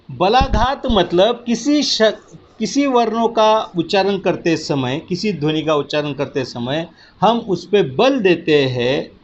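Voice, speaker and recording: A man teaching a recorded lesson, explaining slowly and patiently and often checking that students have understood. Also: on the high side, dull audio, a little hiss or hum. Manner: slow, patient explaining with repeated check-ins. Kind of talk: recorded lecture.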